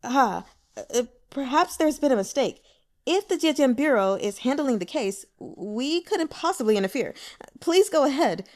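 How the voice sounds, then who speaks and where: A woman's voice: sits high, animated, normal speed, a little mellow, pitched above the performer's own voice. A woman voicing a frightened male servant who stammers and fawns in an audiobook. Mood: nervous groveling. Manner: stammering, eager to please. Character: flustered male servant, fawning and scared.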